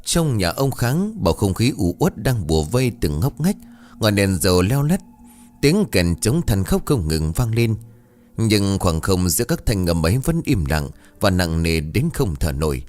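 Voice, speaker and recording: A low-voiced man narrates a dark village tale with a lively, sweeping pitch. Faint music plays under his voice. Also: a little slow. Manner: expressive, swooping delivery. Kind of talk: dramatic storytelling narration.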